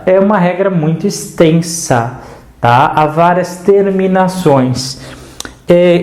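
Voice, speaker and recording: A man's voice: sits high, a little mellow, echoey room. A man with a Brazilian Portuguese accent teaching an online grammar lesson, chatty and checking in often with the viewer.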